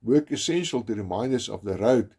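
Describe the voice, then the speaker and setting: A South African man with Afrikaans as his first language narrates a documentary in a solemn, measured way. His voice is dark, mellow and a little husky, and he leans hard on key words. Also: on the low side, animated. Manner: grave, measured, with emphatic stresses and some restarts.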